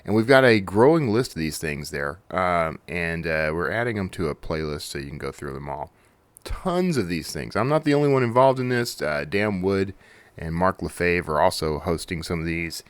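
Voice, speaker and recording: This solo podcast host has a deep, expressive voice and talks at a moderate pace in a dry recording. He chats casually in a rambling, conversational way, often cutting himself off and doubling back.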